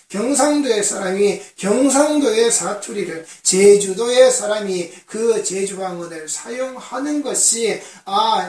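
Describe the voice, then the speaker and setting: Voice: medium pitch, vocal fry, darkish tone. Fervent preacher in an echoing sanctuary. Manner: fervent, repetitive preaching cadence with rising emphatic peaks. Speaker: pastor. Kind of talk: impassioned sermon. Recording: roomy, distant from the mic.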